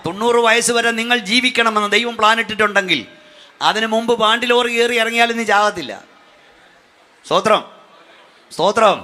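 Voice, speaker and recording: Fervent preaching man, bright high voice. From Kerala, India. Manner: fervent preaching, rising to shouts, urging clapping and praise. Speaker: pastor. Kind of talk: Malayalam Pentecostal sermon. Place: church gathering at night.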